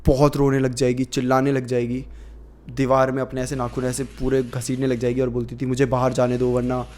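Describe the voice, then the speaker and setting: A man's voice: mid-range voice, completely flat delivery, fairly quick, a little mellow. A man narrating a horror story in a casual, conversational way with many fillers.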